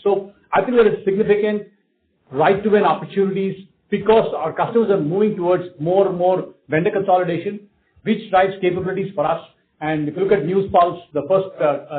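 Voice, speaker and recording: A man, a company executive, explaining business strategy to analysts on an earnings call. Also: on the high side. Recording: tinny phone line.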